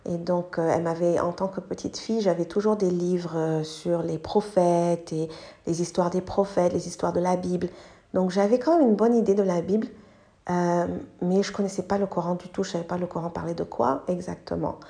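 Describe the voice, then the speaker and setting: A middle-aged woman from Côte d'Ivoire, a native English speaker, hosting a podcast and telling her life story thoughtfully, pausing to search for words and dropping in English ones. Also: on the low side, fairly even intonation, dark tone. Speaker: podcast host. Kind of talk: personal storytelling monologue.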